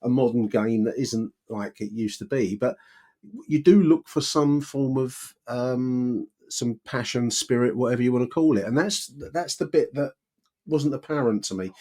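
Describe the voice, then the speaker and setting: A man's voice: mid-range voice, moderate pace, warm tone. A man hosting a casual football review podcast, reflective and hesitant as he searches for his words.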